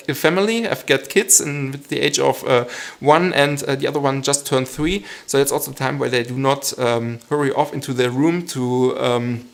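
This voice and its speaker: A man's voice: mid-range voice, gravelly. A man in his thirties from western Germany with a German accent, hosting a casual live stream Q&A, hesitant with many ums and frequent chuckles.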